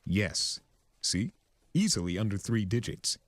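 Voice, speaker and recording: A man's voice: on the low side, big pitch swings, measured pace, no echo, pitched above the performer's own voice. A man voicing a timid, flustered male pegasus clerk in a cartoon fan story, hesitant, polite and literal. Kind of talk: cartoon fan fiction reading.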